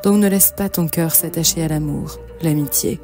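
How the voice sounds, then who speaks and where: A stern sea witch from a children's cartoon tale, acted by a woman, gives commanding warnings. The voice is fairly low and mellow, over background music. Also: normal speed. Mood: insistent. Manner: cautioning, commanding. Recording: music behind the voice.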